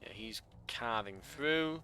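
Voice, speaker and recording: A man's voice: medium pitch, lively intonation, slow, pushed and bright, slight background noise. A man giving casual let's play commentary, thinking aloud in a wry way.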